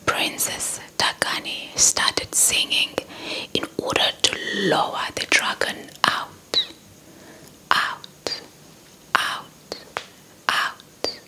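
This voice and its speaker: A young woman with a South African accent narrates a folktale as ASMR, entirely in a whisper. Her delivery is slow and breathy, close to the mic, with words softly repeated. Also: poor audio. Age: young adult. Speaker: ASMR storyteller. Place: indoors, in front of a dark cloth backdrop. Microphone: small handheld lavalier mic with windscreen, held close.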